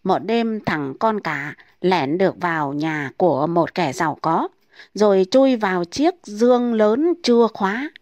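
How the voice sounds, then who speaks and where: A woman reading comic folk tales aloud in a brisk, steady storytelling manner. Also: mid-range voice, no echo.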